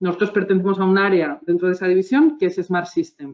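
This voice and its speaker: A woman is speaking. The background is quiet. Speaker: industrial research manager. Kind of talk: technical presentation; webinar presentation. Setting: video call. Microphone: video call.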